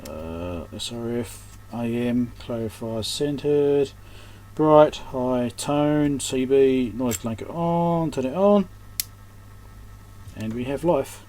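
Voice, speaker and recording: At his indoor electronics repair bench, the technician and host gives unscripted hands-on commentary, thinking aloud in brief, muttered pieces. He speaks slowly in a dark-toned, mid-range voice.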